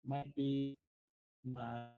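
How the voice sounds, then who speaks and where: A man speaking in a team meeting over a video call whose audio keeps cutting out, talking haltingly with many restarts. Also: medium pitch, level tone, phone-quality sound. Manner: halting, hesitant speech with restarts. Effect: choppy video-call audio cutting out. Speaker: software developer in a team meeting.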